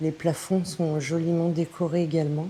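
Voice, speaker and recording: A soft-spoken woman's voice, fairly low and somewhat breathy, with flat, monotone intonation. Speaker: travel vlogger. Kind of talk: travel vlog narration. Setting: outdoors at a temple. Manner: hesitant, many fillers.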